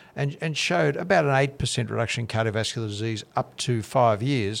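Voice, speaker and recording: Heard on a very clean recording with a silent background, a man of medium pitch with an Australian accent speaks at a fairly quick pace with ordinary pitch variation. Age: 50s. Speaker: cardiologist. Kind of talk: interview. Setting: studio.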